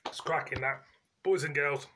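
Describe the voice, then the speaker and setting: A man, giving a casual, chatty review in colloquial, halting phrases as host. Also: on the high side, pushed and bright, a little hiss or hum. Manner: informal, colloquial, pauses mid-sentence. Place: indoors, living room at home.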